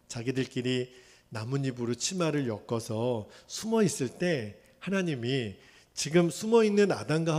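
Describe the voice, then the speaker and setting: Preaching man in a reverberant church. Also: a little high. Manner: animated preaching with quoted dialogue and rhetorical questions. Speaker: pastor. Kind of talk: sermon. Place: church sanctuary. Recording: long hall reverb from church.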